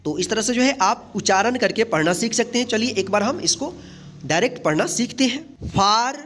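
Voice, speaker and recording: A woman's voice: on the high side, lively intonation, normal speed, fairly bright tone, a little hiss or hum. A woman teaching a phonics lesson, spelling each word letter by letter and then saying it whole, and asking the viewer questions as she goes. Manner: asks the viewer questions and repeats the rule. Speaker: English teacher.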